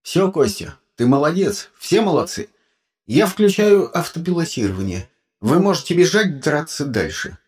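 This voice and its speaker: A man voicing an anxious, excitable male shipmate who talks with urgency. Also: a little high, moderate pace, breathy edge. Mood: relieved. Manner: urgent, fretful.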